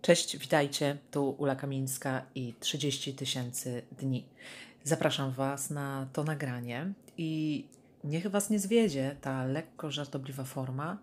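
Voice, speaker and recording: A woman psychotherapist introducing her channel in a measured, earnest way. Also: extremely low pitch, fairly even intonation.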